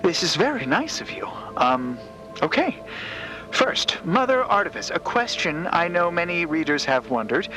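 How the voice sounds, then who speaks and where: Flustered, high-voiced young-hearted reporter. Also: male voice, sing-song, normal speed, over music, low-quality recording. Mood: nervous, apologetic. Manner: flustered, stammering, effusively polite. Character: nervous, eager, apologetic journalist on a cosmic expedition. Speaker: actor in a fiction podcast. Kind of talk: naturalistic audio drama acting.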